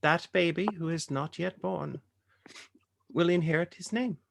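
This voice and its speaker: A woman playing a calm, solemn village elder who preaches in a measured, creaky voice in a dramatic table read. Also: on the low side, slight background noise. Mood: solemn, instructive.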